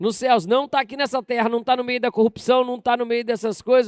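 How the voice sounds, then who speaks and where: In a very clean recording with a silent background and a dry, close sound with no echo, a man talks fairly quickly at an extremely high pitch. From Brazil, Maringá (Paraná). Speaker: pastor. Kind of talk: sermon. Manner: fast.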